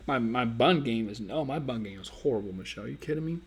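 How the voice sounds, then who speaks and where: A man's voice: medium pitch, lively intonation, fast, breathy edge. A man hosting a dating-advice live stream, casually reading viewer comments and teasing them in a playful, slangy way.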